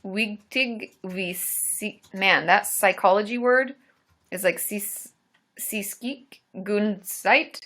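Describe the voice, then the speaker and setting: A woman's voice: medium pitch, takes it slowly, a bit bright. A woman therapist hosting a live Q&A stream, chatting casually, laughing often and poking fun at herself.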